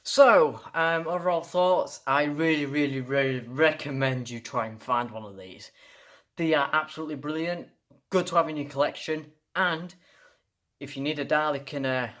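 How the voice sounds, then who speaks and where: A man's voice: on the high side, normal speed, fairly bright tone. A young man giving a casual, unscripted toy review, rambling enthusiastically and often repeating himself.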